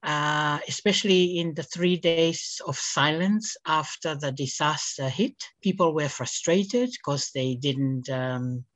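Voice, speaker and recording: A middle-aged woman from Tonga speaks in a low voice, earnest and halting. She pauses often and ends phrases with a questioning "eh". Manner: earnest, hesitant, many uh fillers, tag eh. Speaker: community broadcaster and organiser. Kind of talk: radio interview answers.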